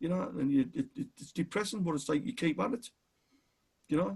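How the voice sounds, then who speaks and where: A man at a very fast pace with lively intonation. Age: 60s. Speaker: former MP and miner. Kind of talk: interview. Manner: animated; halting.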